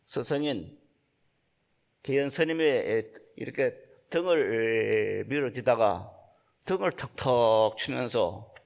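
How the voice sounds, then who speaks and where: An older male Buddhist monk with a Gyeongsang accent delivers a sermon as a story. He tells it in a folksy, unhurried way, acting out the people in the tale. His mid-pitched voice has a gravelly texture. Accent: Gyeongsang Korean. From Gyeongsang province, Korea. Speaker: Buddhist monk giving a dharma talk.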